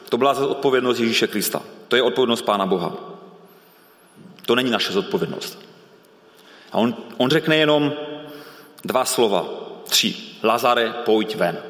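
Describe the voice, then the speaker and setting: A man preaches in an earnest, unhurried way, circling back to key phrases and restarting sentences as he goes. His voice sits at an ordinary middle pitch. It rings out in a large, echoey hall with a long reverb tail. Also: fairly bright tone. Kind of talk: sermon.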